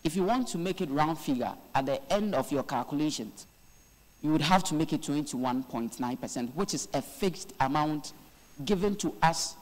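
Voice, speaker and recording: A young man with a Ghanaian English accent, the financial secretary of a student parliament, speaking formally with some halting. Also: on the high side, long reverb tail, low-quality recording. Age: young adult. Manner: measured, formal, slightly halting.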